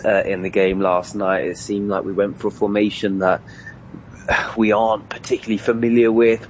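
A man, a former player, giving measured football analysis with many fillers and restarts. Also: lowish voice, a little mellow, a little hiss or hum, low-quality recording.

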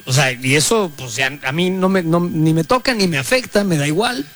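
A man's voice: a little high, animated, normal speed, fairly bright tone. A man in his fifties with a Mexican accent, hosting crude comedic radio banter in a casual, slangy way. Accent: Mexican Spanish. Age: 50s. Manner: casual, swearing, slangy, laughing. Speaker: radio show host.

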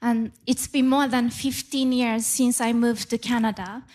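Japanese-accented woman doing slow stand-up. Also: fairly high pitch, level tone, background noise. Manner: playful, crowd work with laughs. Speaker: stand-up comedian. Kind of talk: stand-up set. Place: live comedy venue with audience.

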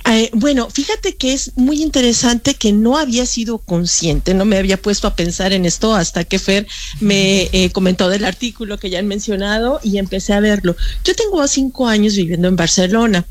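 A woman, a journalist and lecturer speaking as a radio guest, friendly and relaxed. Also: mid-range voice, normal speed, no room sound. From Mexico. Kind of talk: radio interview.

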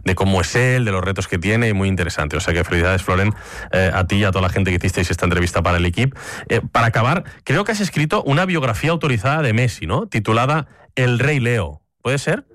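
A man hosting a sports talk show, asking quick questions and prompting with tag questions. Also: fairly low pitch, expressive, a bit bright, dry recording, studio quality. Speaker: host. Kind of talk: interviewer questions.

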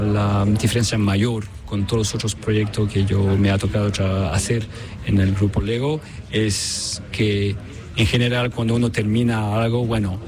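Man, from Chile, low voice, hesitant, many fillers, product designer, crowd noise behind. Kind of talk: interview answers.

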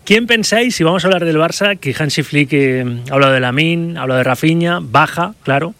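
A man's voice: on the high side, brisk, no echo. A man hosting a live sports radio show, putting questions to his panel and moving things along. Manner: lively, poses questions to the panel.

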